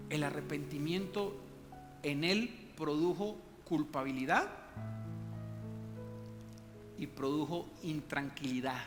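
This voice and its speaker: High-voiced preaching man in a reverberant church. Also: a little slow. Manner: preaching with emphatic rises and hushed drops. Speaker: pastor. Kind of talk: sermon. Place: church hall. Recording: long church reverb with music beneath. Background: soft instrumental music.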